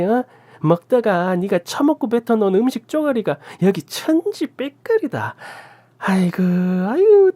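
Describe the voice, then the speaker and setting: A woman's voice: low voice, breathy edge, pitched above the performer's own voice, exaggerated voice. A woman voicing a tiny, hunched old aunt with a Gyeongsang accent who scolds and curses fiercely. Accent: Gyeongsang Korean. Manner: scolding, cursing, drawn-out shouts.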